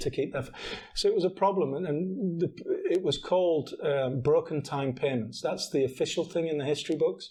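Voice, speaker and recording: Speaking fairly quickly, a man with a fairly high pitch varies his pitch in an ordinary way. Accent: northern English. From northern England, near Leeds. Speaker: former rugby league player. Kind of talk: podcast interview. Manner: hesitant, many fillers and repetitions.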